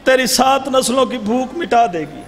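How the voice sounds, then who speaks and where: A man with a Pakistani accent voicing a revered male religious master who speaks gently and solemnly. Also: extremely high pitch, lively intonation, normal speed. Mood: gentle. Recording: reverberant hall, faint noise.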